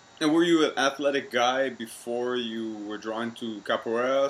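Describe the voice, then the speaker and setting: A man with a French accent speaks at a medium pitch with ordinary pitch variation. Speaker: podcast host, movement coach. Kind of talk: casual interview. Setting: video call.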